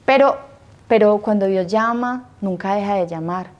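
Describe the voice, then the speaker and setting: A woman's voice: medium pitch, moderate pace, darkish tone, dull audio. A woman in her thirties from Colombia, a nun telling her personal vocation testimony with earnest emotion, acting out her own past words.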